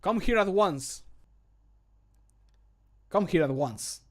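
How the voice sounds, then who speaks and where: A man's voice: sits high, lively intonation, takes it slowly. A man voicing a stern guard in a game, giving firm, clipped orders. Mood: stern, commanding. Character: stern male guard ordering a criminal to halt.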